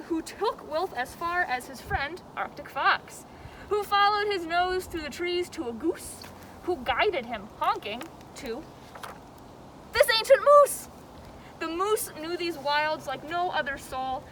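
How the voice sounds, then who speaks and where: High-voiced woman storyteller over outdoor noise. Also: low-quality recording. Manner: expressive, dramatic storytelling delivery. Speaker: zoo educator hosting story time. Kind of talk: animated children's storybook reading and educational talk. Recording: outdoor background noise, faint vehicle rumble.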